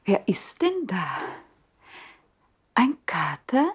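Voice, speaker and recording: A woman's voice: medium pitch, wildly swooping pitch, extremely slow, husky, heavily acted. An actress playing a bold, flirtatious woman, with a teasing, theatrical manner, in a 1960s radio play. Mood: teasing, curious.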